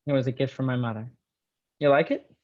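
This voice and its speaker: A man's voice: mid-range voice, fairly even intonation, fairly quick, no room sound, lo-fi sound, close to an everyday voice. An actor playing an eager, tender young laborer courting his sweetheart in a screenplay table read. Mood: tender, playful.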